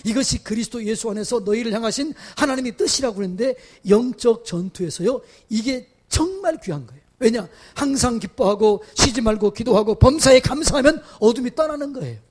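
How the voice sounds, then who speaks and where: A male pastor preaching at a revival meeting. He questions the congregation and builds to loud exhortations. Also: extremely high pitch, expressive, a little fast, few pauses, slightly rough. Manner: acts out quoted voices in dramatic asides. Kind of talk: revival sermon.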